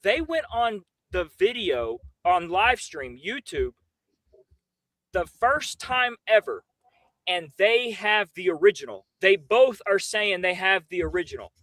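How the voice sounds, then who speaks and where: A man's voice: high voice, big pitch swings, a little slow, sharp tone, no echo, low-quality recording. A man talking on a casual livestream in an emphatic, incredulous, slangy way, swearing freely as he rants. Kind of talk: animated casual livestream rant.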